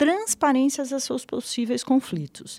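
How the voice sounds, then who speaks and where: A woman talks at a moderate pace with lively intonation in a very clean recording with a silent background. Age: 40s. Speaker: financial market professional and podcast host. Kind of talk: casual interview.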